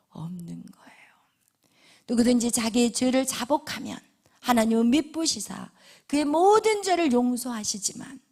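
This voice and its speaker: A woman pastor preaching a sermon. She asks the congregation questions and answers them in a hushed whisper, with sudden emphatic rises in between. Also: high voice.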